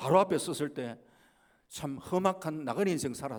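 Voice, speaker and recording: A man's pitch rises and falls very widely on a very clean recording with total background silence. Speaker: pastor. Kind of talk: sermon. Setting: church. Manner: animated.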